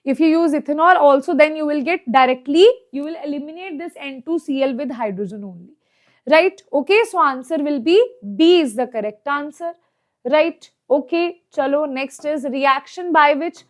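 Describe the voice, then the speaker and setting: High-pitched South Asian woman teaching. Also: normal speed. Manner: checks understanding often with short questions. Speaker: chemistry teacher. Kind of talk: exam problem lesson, explaining step by step.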